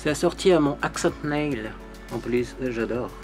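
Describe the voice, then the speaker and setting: This beauty vlogger's voice is mid-range, a little slow and somewhat mellow, with gentle music behind him. Hosting a makeup tutorial, he comes across bubbly and talkative, often tacking "hein" onto his lines.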